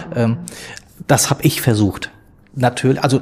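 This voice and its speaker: A man with a medium-pitched voice talks amid noticeable background noise. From Rügen, northeastern Germany. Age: 40s. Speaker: city archivist. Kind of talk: interview.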